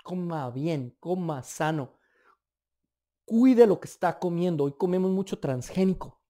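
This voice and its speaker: Colombian male preacher with a warm, mellow tone; emphatic, animated sermon delivery with casual asides. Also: sits high, a little slow. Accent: Colombian Spanish.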